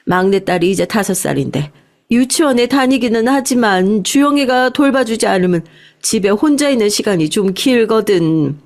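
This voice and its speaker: A woman's voice: medium pitch, a little mellow, close to an everyday voice. A woman voicing a careworn middle-aged mother in story dialogue, with a pleading manner. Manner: pleading, sighing interjections.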